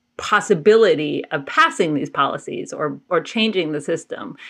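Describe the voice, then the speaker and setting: A woman with an American accent speaks at a moderate pace in an ordinary speaking voice, medium in pitch, against a quiet background. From US South, Athens, Georgia. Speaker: activist and writer. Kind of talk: interview conversation.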